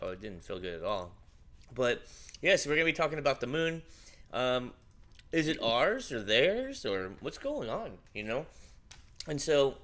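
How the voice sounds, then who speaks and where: Man, bright forceful voice, casual livestream host, chatty and informal. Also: mid-range voice.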